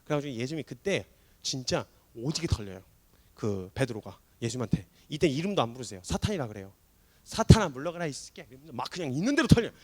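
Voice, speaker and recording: A man preaching to young people as a missionary, telling a Bible story in a playful, animated way and briefly acting out the characters' lines. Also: medium pitch, fast talker. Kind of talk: lively youth sermon storytelling.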